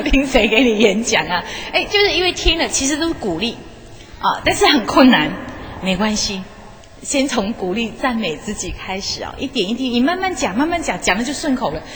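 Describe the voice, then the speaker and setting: A woman's voice: a little high, sing-song, brisk, fairly bright tone. A woman, a former teacher, giving a live motivational talk in a chatty, coaxing way and often asking the audience questions. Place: lecture hall. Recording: echoey hall, faint background noise.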